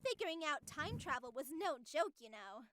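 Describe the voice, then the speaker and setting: Very high-pitched, unhinged AI girl. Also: big pitch swings, moderate pace, background noise. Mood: composed, ominous. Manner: theatrical, grandiose, swinging between sweet and menacing. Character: unhinged female AI superintelligence, childlike, theatrical, Halloween-obsessed. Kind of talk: scripted visual novel voice acting.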